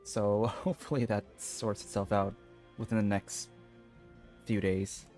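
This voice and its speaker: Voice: low voice, little pitch movement, unhurried, a little mellow. A game streamer chatting casually on a livestream while getting over a cold with a lingering cough. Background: faint game music.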